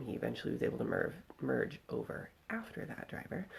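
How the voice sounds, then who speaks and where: A woman speaks quietly at a moderate pace. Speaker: vlogger. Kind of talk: casual chat. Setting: at a friend's home. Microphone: too quiet.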